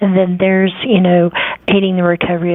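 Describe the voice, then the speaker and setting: In an Appalachian accent, a woman talks at a very fast pace with a fairly low pitch over noticeable background noise. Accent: Southern Appalachian US. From US South, western North Carolina. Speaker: caller. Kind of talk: public comment. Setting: phone call.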